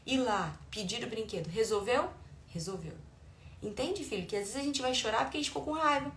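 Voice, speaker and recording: A woman's voice: a little high, fairly quick. Woman, middle-aged, Brazilian Portuguese accent, parenting educator, explanatory advice, echoey room, faint background noise. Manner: warm explanatory tone, acts out dialogue with her children.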